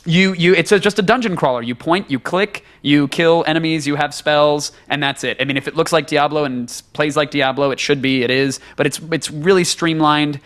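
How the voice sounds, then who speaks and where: A man's voice: on the high side, fairly quick, hardly any pauses, a bit bright. A man hosting a podcast, talking casually in a rambling way with restarts and bursts of laughter. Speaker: podcast host. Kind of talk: casual chat.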